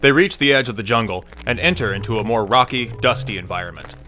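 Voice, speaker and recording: A man's voice: medium pitch, quick pace, pushed and bright. A man reading scripted scene-setting narration for an audio drama. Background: music.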